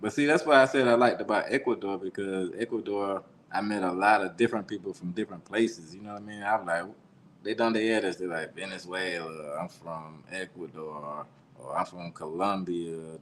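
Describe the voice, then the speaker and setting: Deep-voiced laid-back American man. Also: fairly quick, fairly bright tone, a little hiss or hum, poor audio. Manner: laid-back, slangy, rambling. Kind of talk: casual chat.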